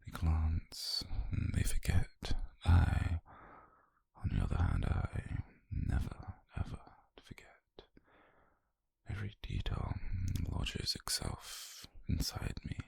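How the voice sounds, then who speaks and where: A British man playing a calm, possessive, obsessed doctor in an intimate ASMR roleplay, speaking slowly and haltingly in a husky, breathy near-whisper. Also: low voice, dry recording, full character voice. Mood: obsessive, intimate. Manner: slow, halting, intimate delivery.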